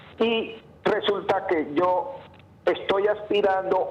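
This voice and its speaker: A man's voice against noticeable background noise. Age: 50s. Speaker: caller. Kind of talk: call-in question.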